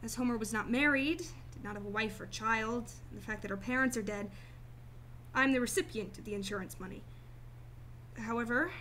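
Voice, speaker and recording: Cool, detached woman acted, high-pitched. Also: sharp tone, slight background noise. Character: cool, detached female client, guarded murder victim's sister. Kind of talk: radio drama acting.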